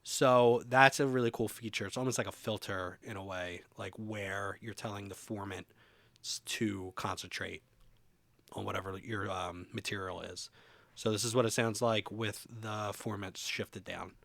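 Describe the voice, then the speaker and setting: A man giving a casual software walkthrough as a music production tutorial presenter, thinking aloud informally as he demonstrates. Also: lowish voice, steady tone, normal speed, gravelly, no echo.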